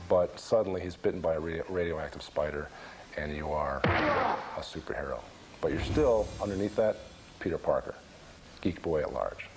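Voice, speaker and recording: A man's voice: sits low, darkish tone, slight background noise, low-quality recording. A man giving emphatic, enthusiastic commentary in a documentary interview.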